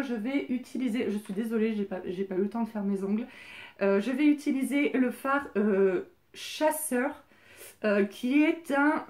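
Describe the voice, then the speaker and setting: A woman giving a casual makeup tutorial as a beauty vlogger, chatty and hesitant, with many filler pauses. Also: on the high side, a little mellow. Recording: roomy echo.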